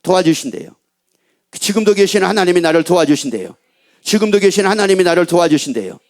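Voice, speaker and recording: High-voiced male pastor preaching, keeps asking the congregation questions, slows down reading bible verses. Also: lively intonation, darkish tone. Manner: slows down to read scripture verses. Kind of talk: sermon.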